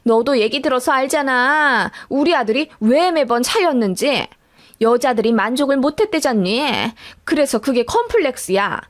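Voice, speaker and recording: Woman voicing a shrill scolding mother-in-law. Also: lively intonation, normal speed, dry recording, studio quality. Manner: nagging, accusing. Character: scolding middle-aged mother-in-law, shrill and self-righteous.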